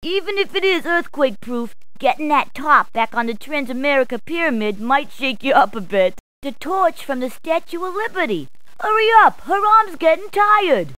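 A woman's voice: very high voice, fairly bright tone, dry recording, exaggerated voice, rough recording. A chirpy punning policewoman. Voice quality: punny, chirpy quips. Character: cheerful female city police officer. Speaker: in-game helper character. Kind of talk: video game voice clips.

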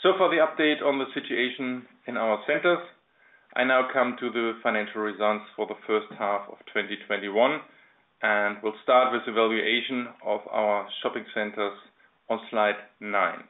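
German-accented executive on a phone line. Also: male voice, on the low side, fairly even intonation. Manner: formal, measured, reading from prepared text. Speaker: company chief executive presenting results. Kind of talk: scripted financial presentation on a conference call. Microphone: telephone conference line. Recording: narrow phone-line sound.

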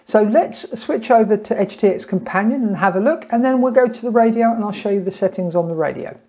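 A man's voice: high-pitched, brisk, darkish tone. A man in his fifties giving an informal, plain-spoken step-by-step tutorial in a small room at home. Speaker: tutorial presenter. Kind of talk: informal step-by-step instructional talk.

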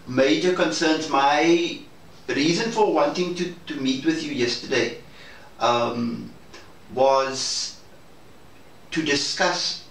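A man speaking in a measured, hesitant and formal way in a reflective debrief conversation. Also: fairly high pitch, a bit bright. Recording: roomy, distant mic, faint noise.

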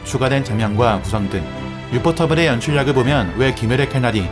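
A man with a mid-pitched voice narrates an anime review from a script. Music plays clearly behind his voice throughout. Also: lively intonation, fast.

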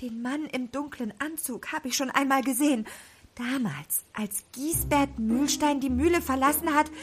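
A woman's voice: high-pitched, normal speed, lightly acted. A woman playing a feisty, grumpy apple-tree witch in a theatrical, indignant way for a children's audio drama. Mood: alarmed.

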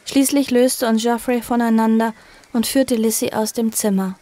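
A woman's voice: on the high side, flat delivery, moderate pace, warm tone, natural voice. A woman playing an earnest fifteen-year-old niece who also narrates her story in an audio drama. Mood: earnest narration. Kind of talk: audio drama acting and first-person narration.

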